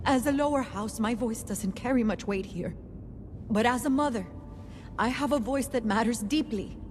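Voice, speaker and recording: A woman's voice: on the high side, normal speed, big-room sound, a little hiss or hum, natural voice. An actress playing a council member and mother who pleads earnestly before the council. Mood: pleading.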